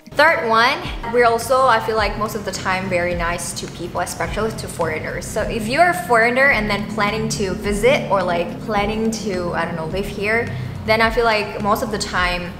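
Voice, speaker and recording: A woman's voice: mid-range voice, roomy sound, in a large hall. A woman from Indonesia, chatting casually to camera as a vlogger and often checking in with viewers. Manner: chatty, often asks viewers okay and right.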